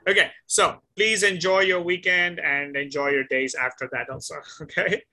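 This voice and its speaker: A man's voice: a little high, fairly even intonation, normal speed, bright, forceful tone. A man teaching a one-on-one English conversation lesson over a video call, patiently asking simple questions, repeating and correcting the student's answers and praising her often. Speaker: English tutor.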